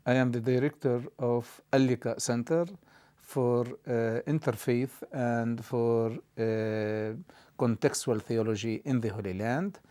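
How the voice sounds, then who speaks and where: A middle-aged man whose first language is Arabic, answering interview questions in English with many halting pauses. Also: medium pitch, fairly even intonation, warm tone. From Israel. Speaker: interview guest, theology dean.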